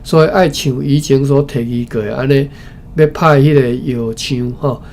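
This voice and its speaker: A study session presenter with a Taiwanese accent reads a historical text aloud, haltingly, repeating phrases and tossing in informal asides. His mid-range voice is darkish with fairly even intonation, and the recording is clearly noisy with background ambience.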